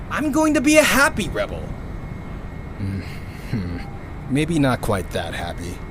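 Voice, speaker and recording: An actor playing a weary, defiant rebel in an audio drama, musing haltingly and wryly into a log. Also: male voice, medium pitch, background noise. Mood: wry, reflective. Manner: halting, reflective, wry, sighing.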